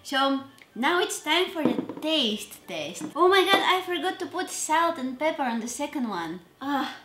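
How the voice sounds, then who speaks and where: A woman's voice: sits high, big pitch swings, a little slow, echoey room, background noise. A woman with a manner, chatting casually and self-deprecatingly while cooking for a vlog. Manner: chatty, self-deprecating, trails off mid-sentence. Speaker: cooking vlogger. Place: home kitchen.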